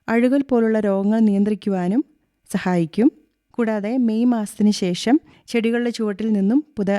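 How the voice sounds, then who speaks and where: A woman agricultural scientist reads out a radio farm talk in a steady, instructive way. Her voice is mellow and soft-edged, and the studio sound is dry and close. She speaks at a middle pitch. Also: dry recording. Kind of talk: scripted radio talk, read aloud.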